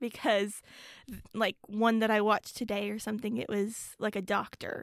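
A woman with an Oklahoma accent speaks at a fairly high pitch and a fairly slow pace. Her intonation is fairly even, and the recording is very clean with a silent background. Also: dry, close sound with no echo. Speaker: podcast co-host. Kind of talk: casual chat.

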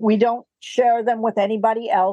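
This woman has a normal speaking voice, pitched fairly high. Her intonation stays fairly even. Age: 50s. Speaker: bishop and exorcist. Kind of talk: interview.

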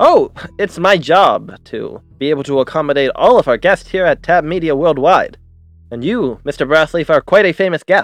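Over background music, a put-on robotic character voice speaks at a moderate pace. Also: man, high pitch for a man. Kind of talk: formal, courteous. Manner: polite, mechanical.

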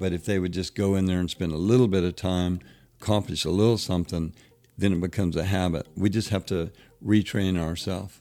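Music plays in the background as a man talks at a fairly quick pace. His pitch is very deep and low. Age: 60s. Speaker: rodeo champion. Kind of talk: casual chat.

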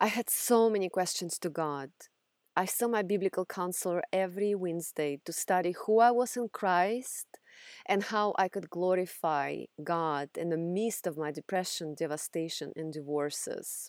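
On a very clean recording with a silent background, a woman with a Russian accent talks at a moderate pace and fairly low pitch with ordinary pitch variation, in a dry, close sound with no echo. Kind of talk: personal testimony with poetry reading.

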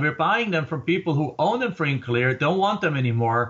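With a German accent, a man talks at a moderate pace using lively intonation. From Germany. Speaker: real estate investor. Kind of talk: interview.

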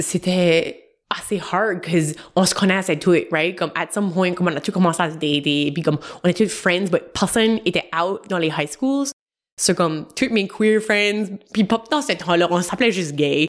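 On a very clean recording with a silent background, a woman talks at a fairly slow pace and a medium pitch, with ordinary pitch variation. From New Brunswick, Acadian (Dieppe/Moncton area). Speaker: therapist. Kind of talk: casual interview conversation.

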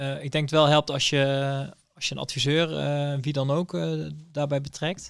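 Monotone and flat, a man speaks with a fairly high pitch. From Netherlands, North Brabant. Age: 30s. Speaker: financial planner. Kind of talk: interview. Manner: halting.

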